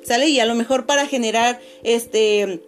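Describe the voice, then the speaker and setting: Woman, schoolteacher, patient, filler-heavy, video call, high voice, faint music behind. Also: moderate pace. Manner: patient, many fillers, calls pupils "chicos" and "corazones". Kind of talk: online class video call.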